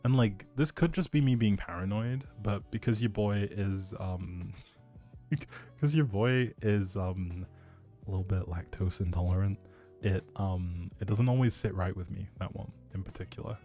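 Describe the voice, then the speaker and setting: A man's voice: sits low, a little slow, dark tone. A man hosting a livestream, chatting casually with viewers in a rambling, jokey, playful way. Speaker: streamer, host. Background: background music.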